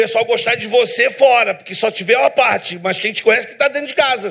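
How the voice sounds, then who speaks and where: A man speaks in a raised, projected voice with an extremely high pitch and a bright, sharp tone. His delivery is animated and fairly quick. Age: 50s. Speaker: preacher. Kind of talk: sermon. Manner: animated, questioning the congregation.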